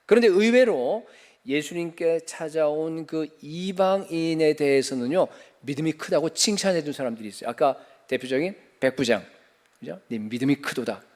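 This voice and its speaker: A man's voice: fairly high pitch, animated, moderate pace, darkish tone. A man, a pastor, preaching a conversational sermon, often asking the congregation questions and acting out the voices from scripture stories. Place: church sanctuary. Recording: long church hall reverb.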